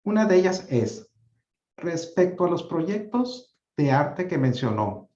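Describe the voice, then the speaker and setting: A man's voice: on the high side, big pitch swings, slow, darkish tone, dull audio. Polite male moderator in an echoey room. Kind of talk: formal moderation.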